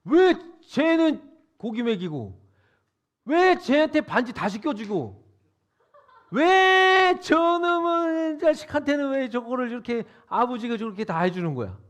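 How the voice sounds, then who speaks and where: A man's voice: very high voice, sing-song, moderate pace, few pauses, voice pushed up. A man voicing a resentful older brother. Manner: loud, aggrieved complaining.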